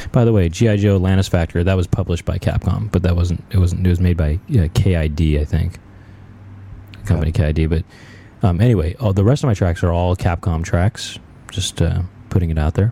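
A man with a very deep, low pitch talks at a fairly quick pace, with ordinary pitch variation and very even loudness amid noticeable background noise. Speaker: podcast host. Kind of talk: casual chat. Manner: casual.

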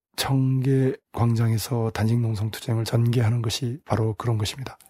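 A man speaks slowly in a dark, mellow, somewhat breathy voice of medium pitch. His intonation is flat and monotone, and the recording is very clean with a silent background. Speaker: political analyst commentator. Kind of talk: analytical commentary on current affairs. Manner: formal, measured.

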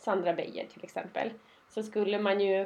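A woman speaks with a non-native accent at a medium pitch. Her pace is moderate. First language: not Swedish (speaking Swedish). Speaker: journalist and journalism teacher. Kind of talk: casual chat.

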